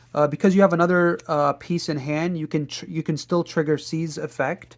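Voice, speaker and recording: Over a very clean recording with a silent background, the speech comes out mumbled at a moderate pace. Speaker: card game content creator. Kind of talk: tutorial. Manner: mumbling; halting, many fillers.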